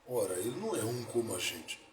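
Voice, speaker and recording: A man preaching a sermon as pastor, building to emphatic peaks and then dropping soft. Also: on the low side, big pitch swings, quick pace, slight background noise. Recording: echoey room, faint ambience.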